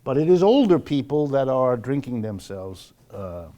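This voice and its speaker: A man lecturing to the public on economics, speaking emphatically and deliberately and repeating phrases for stress. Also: medium pitch, big pitch swings, mellow.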